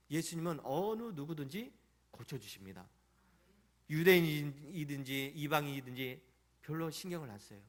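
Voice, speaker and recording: A male pastor preaching a Sunday sermon, retelling a story with questions to the congregation and acted-out quotes. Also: on the high side. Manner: acts out quoted pleas and sayings. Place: church sanctuary.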